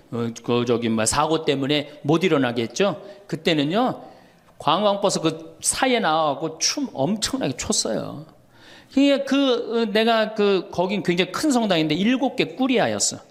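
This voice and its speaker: An older male priest in his sixties preaches to an audience with a high, bright voice. His pitch swings widely as he tells funny stories, laughing along and acting out the people in them. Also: moderate pace. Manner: storytelling with laughter and lively quoted dialogue. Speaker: Catholic priest. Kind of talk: humorous sermon lecture.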